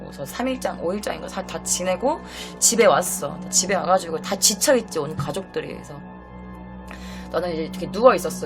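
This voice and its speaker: A young woman from South Korea hosting a live stream, telling a personal ghost story in an emotional, halting way, with many restarts. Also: fairly low pitch. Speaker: host. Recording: faint music under the voice.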